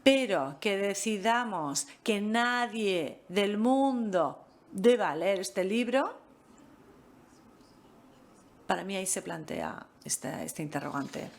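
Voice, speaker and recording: A woman's voice: medium pitch, lively intonation, gravelly. Woman giving a lecture. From France. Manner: measured, pauses often with fillers. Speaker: guest lecturer. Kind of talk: master class talk.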